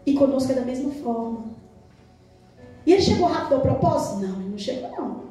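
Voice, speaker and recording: A Brazilian woman preaches from a distance in a very echoey church hall, her high voice mellow and soft-edged. She tells the story with animated, acted-out dialogue, and faint music sits behind her. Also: fast talker. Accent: Brazilian Portuguese. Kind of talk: sermon.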